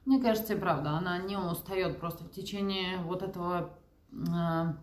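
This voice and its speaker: A woman's voice: lowish voice, moderate pace. A woman in her thirties chatting informally in a casual home vlog, as a mother of young children. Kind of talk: casual vlog chat, talking to camera and to her toddler. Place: living room and bedrooms at home, indoors. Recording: echoey room.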